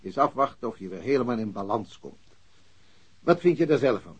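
A senior police chief in a radio drama. His husky voice moves around a lot in pitch as he talks down to a subordinate, formal yet hesitant and patronizing. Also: expressive, brisk, dull audio. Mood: awkwardly critical. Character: senior police chief, awkwardly breaking bad news to subordinate.

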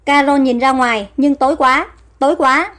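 A woman narrating an audio story in a steady, expressive way. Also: high voice, moderate pace.

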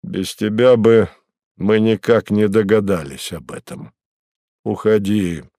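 A man voicing a cold, commanding male devil who speaks slowly, low and tersely in an audiobook reading. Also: dark tone, dry recording, clean studio sound. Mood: stern.

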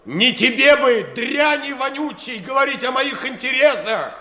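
An actor playing a cornered, defiant gentleman bandit chief, contemptuous and theatrical, in a radio drama. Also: extremely high pitch, animated, measured pace, heavily acted. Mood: defiant rage. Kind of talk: Soviet radio drama acting. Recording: echoing radio play with faint noise.

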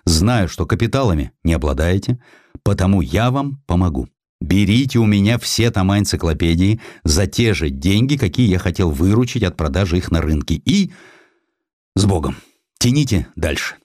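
Man playing a gruff, decisive merchant. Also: low voice, expressive, moderate pace, darkish tone, no echo, clean studio sound. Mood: resolute. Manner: emphatic, forthright. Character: gruff, decisive merchant publisher, plain-spoken and fed up.

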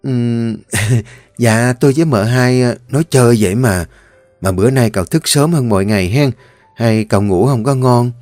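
A man voicing an older female household servant in a story, with a soft, slow manner. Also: medium pitch, no room sound, faint music behind, natural voice. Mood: flustered.

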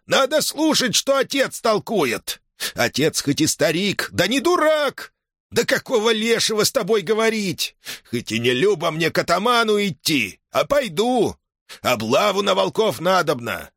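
A man voicing an irate, breathless old grandfather who shouts and scolds his grown son. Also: medium pitch, no echo, clean studio sound, voice pushed up, lightly acted.

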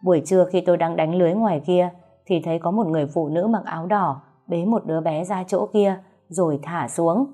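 A woman's voice: on the low side, brisk, dark tone, husky, soft background music. A woman voicing a middle-aged male fisherman who tells things in a plain, matter-of-fact way. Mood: earnest.

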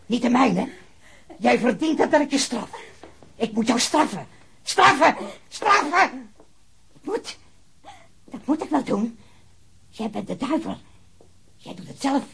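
An actor playing a disturbed, self-righteous male murder suspect full of loathing in a radio crime drama, speaking in a halting, repetitive way with a husky, breathy voice. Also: very high-pitched, big pitch swings, a bit bright, a little hiss or hum, heavily acted. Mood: frenzied disgust.

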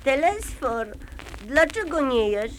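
A woman's voice: high-pitched, very animated, slow pace, loud music behind the voice, full character voice, rough recording. A woman voicing a small, eager, polite male puppet with a coaxing manner in a children's audio play. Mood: playful, coaxing. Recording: old vinyl children's record.

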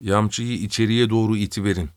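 A man's voice: lowish voice, fairly even intonation, fairly quick, smooth, dry recording, clean studio sound, close to an everyday voice. A man voicing a cheeky young male servant in an audiobook, brash and teasing. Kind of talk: audiobook character voice.

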